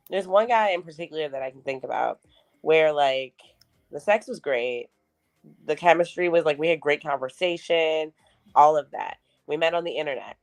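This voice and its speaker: A woman co-hosting a podcast in casual chat, candid and laughing easily, with a low voice she says is deep for a woman. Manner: candid, swears freely, laughs often. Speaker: podcast co-host.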